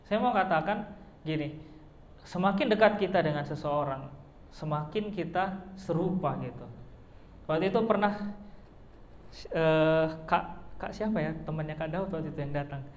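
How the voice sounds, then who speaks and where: High-voiced man preaching in an echoey hall. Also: moderate pace, pauses often, slight background noise. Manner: conversational preaching with fillers and rhetorical questions. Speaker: pastor. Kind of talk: sermon. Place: church hall.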